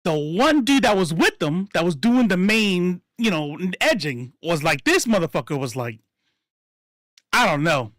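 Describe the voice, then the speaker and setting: A man telling stories in casual chat, profane and animated, acting out what people said. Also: sits high, a little slow, dry recording, clean studio sound. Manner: profane, animated, acts out quotes.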